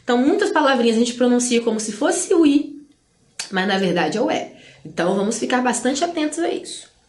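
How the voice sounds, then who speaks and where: A Brazilian woman teaching a grammar lesson, explaining in a chatty way and stretching words slowly to stress them. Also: a little high, lively intonation, a little mellow, roomy sound.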